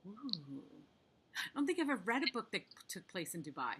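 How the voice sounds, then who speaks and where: Bright-voiced American woman interviewer. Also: mid-range voice, big pitch swings, brisk, husky. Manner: chatty, friendly questioning. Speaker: podcast host. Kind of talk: casual interview chat.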